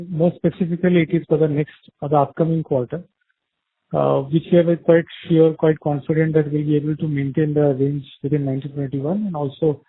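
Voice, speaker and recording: A man answering as a company finance executive on an earnings call, in measured, hesitant phrases over a conference phone line. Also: fairly high pitch, no room sound.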